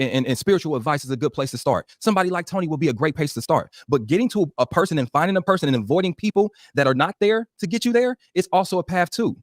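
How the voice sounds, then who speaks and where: Fast-talking, blunt man in a debate. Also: on the high side, no room sound, clean studio sound. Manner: blunt, defensive, repeats himself when pushed. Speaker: podcast guest. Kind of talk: heated debate.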